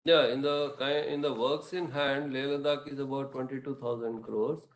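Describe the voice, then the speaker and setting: A man with an Indian accent answering questions as a company executive on an earnings call, in a halting, measured way. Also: mid-range voice, fairly even intonation. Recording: echoey room sound.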